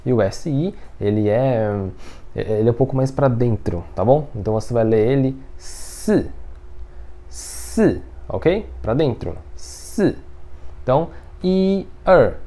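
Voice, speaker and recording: A Mandarin teacher giving an online language lesson, patiently checking in after each point and slowly repeating each syllable. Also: medium pitch, mellow. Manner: patient, ends phrases with checking tags.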